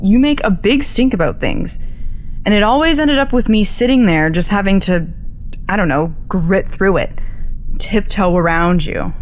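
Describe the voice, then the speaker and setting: A woman's voice: medium pitch, normal speed, a little hiss or hum, close to an everyday voice, low-quality recording. A woman playing a prickly young road-tripper in an audio drama, blunt, casual and sardonic. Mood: defensive. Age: young adult. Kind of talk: naturalistic audio drama dialogue.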